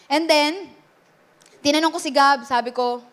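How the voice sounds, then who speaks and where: Filipino woman, pastor, sermon, high-pitched voice, earnest, mixes Tagalog and English. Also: measured pace. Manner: earnest, switches between Tagalog and English, frequent "Amen?" to the congregation.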